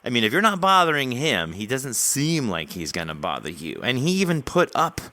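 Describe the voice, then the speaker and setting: A man hosting a casual podcast interview about fiction, animated and wordy as he works his way toward questions. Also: mid-range voice, a little fast, no echo.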